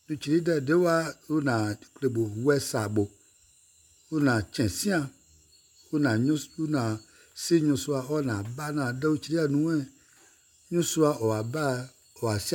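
Husky man chanting repeated refrains. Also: fairly high pitch, darkish tone. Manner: repeats short refrains over and over.

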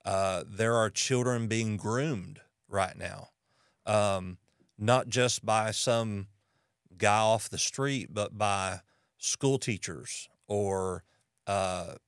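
An American man from Arkansas in casual conversation as an interviewer, speaking thoughtfully and haltingly with pauses mid-sentence. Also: on the low side, clean tone, no room sound, studio quality. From Arkansas, United States.

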